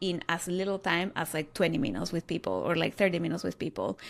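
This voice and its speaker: In a very clean recording with a silent background, a woman speaks in a Spanish accent. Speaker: mindset coach. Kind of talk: interview. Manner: casual, many fillers.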